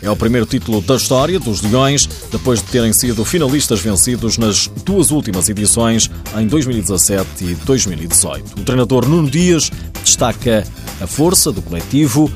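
A man with a European Portuguese accent narrates a scripted sports report for radio. His mid-pitched voice moves with animated intonation over a clear music bed. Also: moderate pace.

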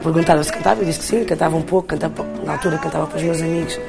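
A woman from Portugal with a European Portuguese accent and a deep, thick voice, telling her story casually as an interviewed singer. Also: steady tone, rapid-fire, gravelly. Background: music.

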